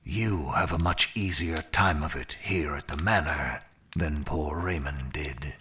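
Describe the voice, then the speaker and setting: A very gravelly, deep immortal attendant. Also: male voice, sharp tone, full character voice. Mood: formal, measured. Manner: measured, curt, formal. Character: immortal male attendant, coldly formal, blunt and unhelpful. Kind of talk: audio drama acting.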